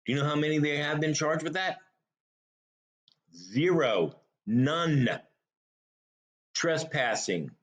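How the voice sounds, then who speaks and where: A male talk show host delivers opinionated commentary. He speaks emphatically at an average pitch for a man. He leans on rhetorical questions and drives points home with short, punchy repeated phrases. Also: a bit bright.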